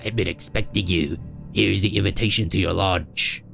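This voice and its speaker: A man's voice: low-pitched, fairly even intonation, moderate pace, creaky, a bit bright, faint music behind, voice pushed down, heavily acted. A man doing a creepy old woman in black. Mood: ominous.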